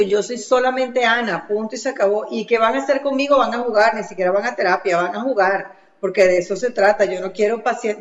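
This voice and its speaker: A woman talks in a lively, chatty way as a guest specialist. Her voice comes through a dull remote line, and it echoes with a long room reverb. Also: on the high side. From Venezuela. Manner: lively, chatty, quick to agree. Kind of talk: interview by remote link.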